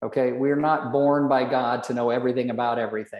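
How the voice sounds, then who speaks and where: A man at a medium pitch and a fairly quick pace. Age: 60s. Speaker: business coach. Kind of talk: webinar teaching. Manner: animated.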